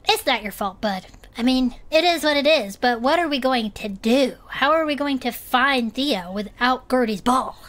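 A woman voicing a gentle, earnest creature with a shell garden, sweet and a little fussy, in a comedic audio drama. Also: high voice, animated, moderate pace, hardly any pauses.

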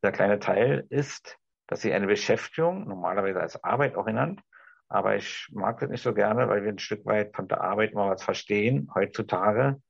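A low, gravelly-voiced man from Berlin, Germany, whose Berlin accent is restrained toward High German, improvises a speech to an imagined TV audience as a discussion participant. His delivery is halting and carefully articulated as he searches for words. The dull, lo-fi video-call audio comes from a small indoor room with the device at some distance and no room sound.

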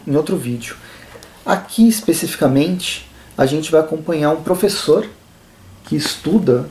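A man's voice: a little high, darkish tone, reverberant. A man reviewing comic books in a casual, thoughtful monologue, often restarting his phrases. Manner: thoughtful, restarts and hesitant fillers.

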